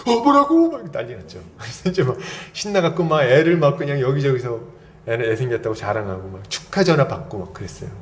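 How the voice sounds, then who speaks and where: A man's voice: mid-range voice, fast. A man preaching an expository sermon as pastor, asking the congregation questions and telling personal stories with laughter. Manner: lively, asks the congregation questions and prods with "eh?".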